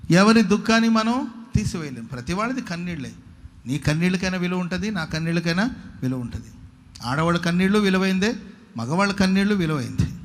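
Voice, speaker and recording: A man preaching a sermon, talking emphatically and repeating phrases, with call-and-response to the congregation. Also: a little high.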